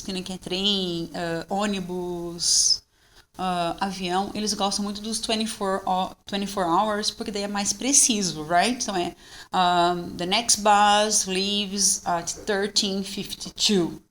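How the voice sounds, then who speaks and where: Brazilian woman teaching English, slow drills. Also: medium pitch, steady tone, fairly bright tone. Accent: Brazilian Portuguese. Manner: slows down to model English phrases, checks in with "ok?". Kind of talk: bilingual classroom lesson.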